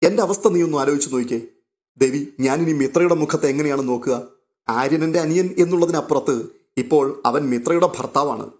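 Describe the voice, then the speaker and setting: A man's voice: on the high side, darkish tone, close to an everyday voice. A man voicing a guilt-ridden young husband and elder brother, speaking with remorse. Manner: pleading, remorseful.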